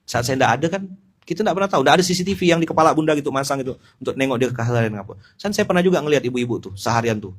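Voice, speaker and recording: A middle-aged man, giving an informal sermon in an animated, joking way and speaking straight to his listeners. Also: medium pitch, rapid-fire. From Pontianak, West Kalimantan. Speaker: Islamic preacher.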